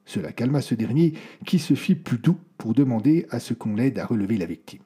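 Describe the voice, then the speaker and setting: A man reading a story aloud as narrator, expressive and shifting his voice between characters. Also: brisk, husky. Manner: expressive, varies pitch widely between characters. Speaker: audiobook narrator. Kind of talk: scripted narration.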